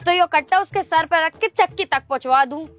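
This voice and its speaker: A woman's voice: extremely high pitch, fairly quick, soft background music. A woman playing a lazy, whining village sister-in-law in a comedy skit. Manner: whining, complaining.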